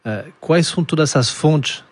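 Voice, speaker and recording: A man speaks as a podcast guest. He explains things in a slow, halting way. His talk is full of fillers and restarts. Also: on the high side, no echo. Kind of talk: casual podcast conversation.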